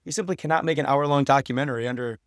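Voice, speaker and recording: A man with a medium-pitched voice talks very fast as an interview guest on a podcast, where he is introduced as a professor and documentary maker. He answers in a casual, earnest, conversational way, frequently saying "you know" and "like," in studio-quality audio without echo.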